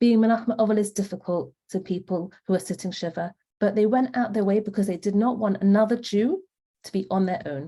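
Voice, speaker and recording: A woman speaks fairly quickly at medium pitch with fairly even intonation. Her tone is dark and mellow, and somewhat breathy. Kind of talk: online lecture. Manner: fast.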